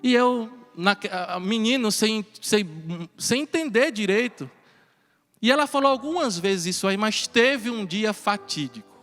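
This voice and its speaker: A man, a priest telling a personal story in a sermon, animated and then hushed for tender moments. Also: sits high, a little slow. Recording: reverberant church hall with faint music.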